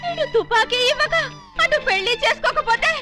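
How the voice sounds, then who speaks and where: A headstrong young woman prisoner who pleads in a fast, melodramatic way. Her voice is extremely high and she talks quickly. Clear film music plays under her lines. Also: expressive. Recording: film soundtrack with loud music.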